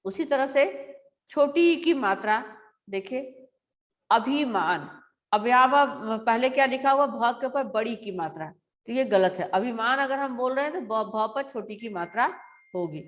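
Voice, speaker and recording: Woman teacher with a slightly high voice, patient grammar lesson, slow and careful, repeats each word. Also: animated, dull audio. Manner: slow, careful explaining, repeating words aloud for dictation. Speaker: school teacher.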